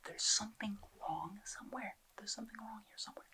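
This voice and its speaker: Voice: mid-range voice, steady tone, fast, very noisy. A person whispering an ASMR roleplay as an obsessive, paranoid conspiracy theorist, rambling and stammering over repeated phrases with urgency. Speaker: ASMR video creator.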